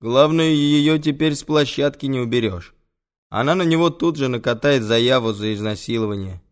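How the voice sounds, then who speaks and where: A man's voice: mid-range voice, normal speed, voice pushed up, lightly acted. A man voicing a blunt, offhand young male friend on a film set, in an audiobook reading. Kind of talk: audiobook character voice.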